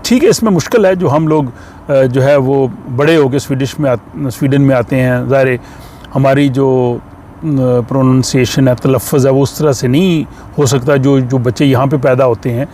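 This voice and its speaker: A man teaching a language lesson, explaining slowly and patiently with frequent pauses and fillers. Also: mid-range voice, warm tone, slight background noise. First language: Urdu.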